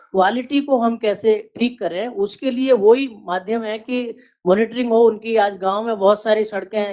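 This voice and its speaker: A woman's voice: mid-range voice, darkish tone. A woman giving formal remarks at a workshop, laying out her points one by one. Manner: measured, lists points one by one. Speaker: workshop participant.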